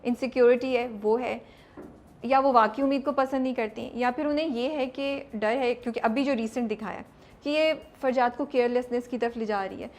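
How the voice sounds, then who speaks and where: A woman's voice: fairly high pitch, moderate pace, darkish tone, a little hiss or hum. A woman with a Pakistani accent doing a casual interview, probing and moving between two languages. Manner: mixes Urdu and English, probing.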